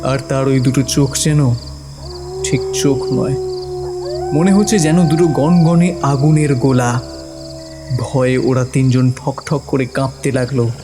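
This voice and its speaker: Male horror story narrator over music. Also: mid-range voice. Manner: dramatic storyteller. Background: music with crickets.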